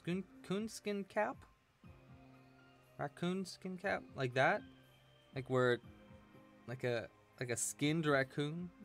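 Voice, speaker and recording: A man's voice: fairly high pitch, takes it slowly, long pauses, a bit bright, faint music behind. A young man teaching crochet on a home live stream, chatty and playful, reading chat messages aloud and laughing as he works. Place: small room at home, indoors.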